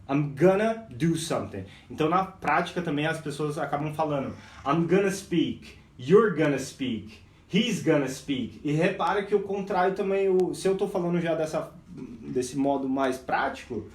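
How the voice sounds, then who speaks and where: A man with a Brazilian Portuguese accent teaching English in a live online lesson, energetic, calling out "guys" and slowly drilling example phrases. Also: on the high side, reverberant, recorded from a distance.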